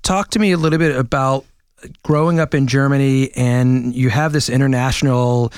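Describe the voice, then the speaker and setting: A man's voice: medium pitch, steady tone, moderate pace, a little mellow, smooth, no echo, studio quality. A man hosting a marketing podcast, chatting with enthusiasm and frequent restarts. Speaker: podcast host. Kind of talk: podcast interview. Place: New York studio.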